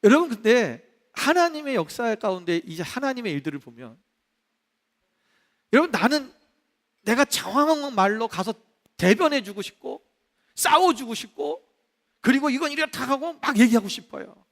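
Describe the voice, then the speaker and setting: A male pastor preaching a sermon in a church, animated, acting out the voices he quotes. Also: very high voice, moderate pace, long pauses. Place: church sanctuary. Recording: long reverb of a church hall.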